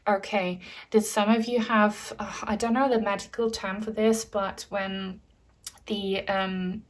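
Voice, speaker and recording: A woman's voice: mid-range voice, level tone, measured pace. A woman whose first language is German, giving a casual pick-a-card tarot reading to her viewers with lots of fillers and asides. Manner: chatty, many fillers, addresses viewers as guys. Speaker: tarot reader.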